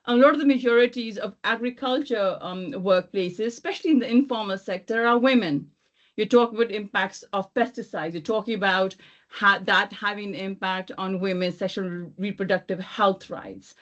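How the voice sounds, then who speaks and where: A woman from Thailand speaking off the cuff as a webinar panelist, haltingly, often rephrasing and circling back. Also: medium pitch, fairly bright tone. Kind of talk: extemporaneous panel remarks. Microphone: video call. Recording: dull lo-fi video call.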